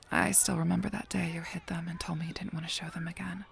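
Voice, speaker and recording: A woman playing a motherly, knowing, wry guardian angel in an ASMR audio roleplay, with a breathy, creaky voice and a gentle, poised delivery. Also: fairly low pitch.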